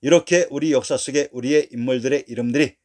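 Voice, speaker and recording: Mellow-voiced man reading a history narration. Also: medium pitch, fast. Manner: steady, declarative reading with rhetorical questions. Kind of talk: scripted narration.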